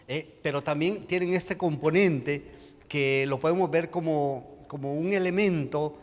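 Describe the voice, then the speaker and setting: A man with a Salvadoran accent reflecting off the cuff as a panel guest, halting, with frequent filler sounds. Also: fairly high pitch. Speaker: panel guest, journalist and documentary maker. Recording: long reverb of a hall.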